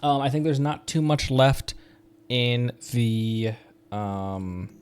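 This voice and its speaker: A man's voice: mid-range voice, slow, a little mellow, soft background music. A man chatting casually as he hosts a gaming livestream, rambling in loose asides. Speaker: streamer and channel host.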